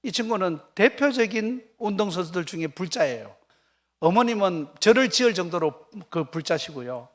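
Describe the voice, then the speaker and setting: Lively storytelling older male pastor. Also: sits high, normal speed. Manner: storytelling with acted quotes and questions to the congregation. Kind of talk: revival sermon. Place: church sanctuary.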